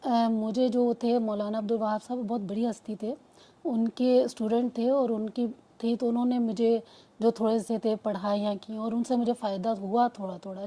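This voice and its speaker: Woman rambling through her own story, kinda high but mellow voice, keeps restarting. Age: adult mother. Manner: earnest, rambling storytelling with many restarts and quoted dialogue. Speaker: client giving a testimonial. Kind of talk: personal testimony.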